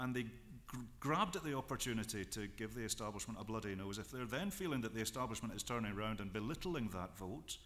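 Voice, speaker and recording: A man with a Scottish accent speaks in a bright, sharp tone. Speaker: politician. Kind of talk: panel discussion. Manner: emphatic.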